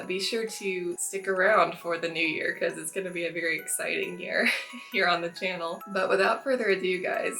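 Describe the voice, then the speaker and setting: A woman's voice: fairly low pitch, creaky, a bit bright, low-quality recording. A young woman with a stuffy, nasal cold, chatting upbeat to camera as a movie reaction host. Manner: chatty, upbeat, laughs often. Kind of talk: casual chat to camera.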